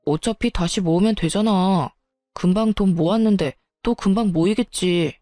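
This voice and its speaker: A woman's voice: mid-range voice, normal speed, warm tone, dry recording, soft background music, natural voice. A woman narrator voicing a smug, contemptuous husband who talks down to his wife with dismissive insults. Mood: offhand.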